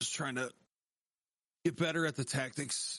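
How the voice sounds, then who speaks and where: A man is speaking. His pace is moderate. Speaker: podcast co-host. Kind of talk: casual banter.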